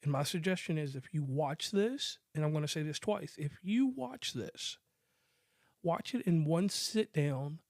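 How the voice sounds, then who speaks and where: A man co-hosting a casual movie review podcast, talking in a relaxed, rambling, joking way. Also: a little high, unhurried, no room sound, clean studio sound. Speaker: podcast co-host.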